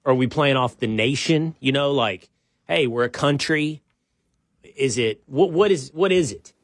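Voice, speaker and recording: A middle-aged man hosting a show, talking in a relaxed, rambling way with lots of restarts and joking asides. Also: mid-range voice, a little slow, no echo, clean studio sound. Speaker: podcast host. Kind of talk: casual show-opening chat.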